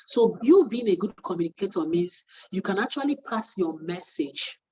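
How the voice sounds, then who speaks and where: A woman's voice: mid-range voice, animated, normal speed, darkish tone, muffled recording, slight background noise. A woman, a media training facilitator, teaches trainees in an earnest way and repeats her points for emphasis. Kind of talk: spoken lesson to trainees.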